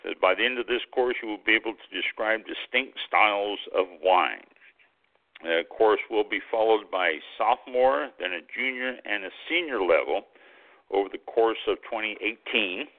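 Wine show host on a landline phone line, deep voice, tinny and narrow, halting delivery with lots of "uh"s. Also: male voice. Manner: halting, many "uh" fillers while reading. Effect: heard over a landline phone. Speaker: winemaker hosting a wine radio talk show. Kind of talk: casual radio talk, reading announcements.

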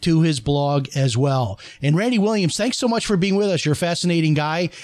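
A man's voice: on the high side, animated, fairly quick, a little mellow, no room sound. A man hosting an interview show, giving upbeat promotional plugs and wrapping up with thanks. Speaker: show host.

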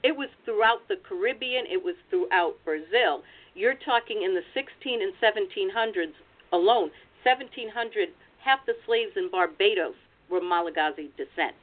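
Over a video call with tinny, phone-like audio, a woman from the United States delivers an explanatory webinar talk. Her voice sits in the mid range and moves at normal speed as she offers practical advice in the role of a genealogy researcher.

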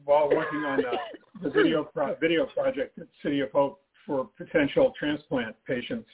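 An older man, a guest author on a radio interview, talking in a halting, easygoing way with frequent restarts. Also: a little high, a crowd in the background. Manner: halting, repeats himself, easygoing humor. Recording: tinny phone-line audio.

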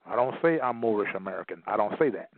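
A man's voice: on the low side, animated, fast talker, creaky, no room sound. A man giving an emphatic lecture, partly reading aloud and repeating phrases for stress. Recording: tinny phone-like line, dry.

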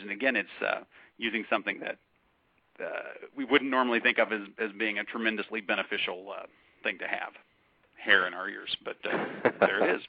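Male podcast co-host, lowish voice, thoughtful and halting; dull, dry lo-fi audio. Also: dry recording. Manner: thoughtful, explanatory, halting with restarts. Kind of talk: casual discussion of science news.

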